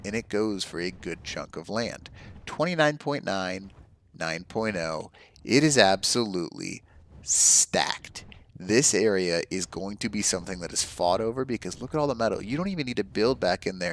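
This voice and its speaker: Deep-voiced man giving excited gameplay commentary. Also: moderate pace, a little hiss or hum. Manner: enthusiastic, casual, addresses viewers as guys. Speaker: gaming channel host. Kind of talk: game walkthrough commentary.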